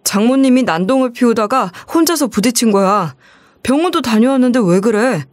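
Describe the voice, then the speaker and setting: A woman's voice: fairly high pitch, animated, brisk, no echo, close to an everyday voice. A woman playing an indignant, defensive husband. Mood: angry defensive.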